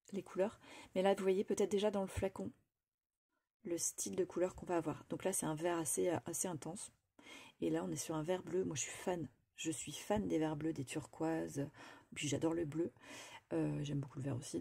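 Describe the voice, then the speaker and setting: A woman's voice: lowish voice, warm tone, breathy edge. A woman presenting a craft-supply haul in a chatty, hesitant way, with frequent fillers and restarts. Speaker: craft vlogger.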